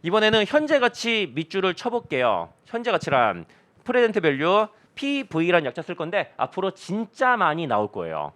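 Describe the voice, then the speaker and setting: A man's voice: high-pitched, huge pitch swings, moderate pace, fairly bright tone. A man in his thirties teaching an online accounting lecture, playful and jokey, acting out little quoted scenes. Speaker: accounting instructor.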